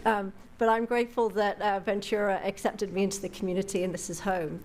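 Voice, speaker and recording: A woman's voice: medium pitch, flat delivery, brisk. Chatty British woman at a meeting. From Britain. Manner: warm, grateful, chatty with fillers. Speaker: parent giving public comment. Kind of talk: friendly public comment. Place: school board meeting room.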